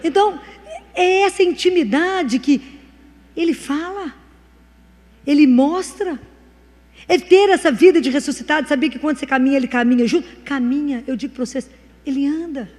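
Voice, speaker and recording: A woman's voice: sits high, normal speed, long pauses, darkish tone. A woman giving a conversational testimony sermon, telling stories and speaking earnestly about faith. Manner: storytelling, acting out dialogue. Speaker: Christian speaker. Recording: long hall reverb.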